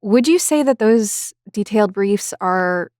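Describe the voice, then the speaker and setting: A woman's voice: medium pitch, animated, measured pace, darkish tone, dry recording. Woman interviewer, close dry sound. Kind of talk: conversational interview.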